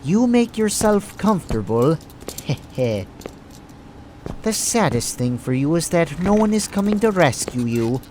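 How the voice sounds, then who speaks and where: A woman's voice: sits low, big pitch swings, slow, darkish tone, a little hiss or hum, heavily acted. A woman voicing a smug, sinister male crime boss in an audio drama, with mock-polite, gloating theatrical delivery. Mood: pleased, commanding.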